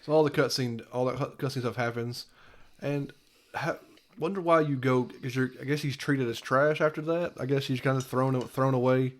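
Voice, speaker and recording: A man's voice: mid-range voice, steady tone, moderate pace. A man co-hosting a casual gaming podcast, offhand and dry. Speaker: podcast co-host.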